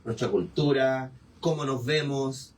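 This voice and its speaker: Emphatic Chilean moderator, distant mic. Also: male voice, mid-range voice, a little slow. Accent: Chilean Spanish. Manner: emphatic, rhetorical questions. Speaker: panel moderator. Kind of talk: live panel discussion. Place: forum event hall. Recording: distant mic with faint room noise.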